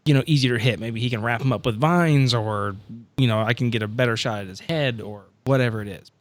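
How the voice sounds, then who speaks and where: A man's voice: mid-range voice, brisk, no echo. A man playing a tabletop role-playing game, chatting casually and thinking aloud in a rambling, informal way.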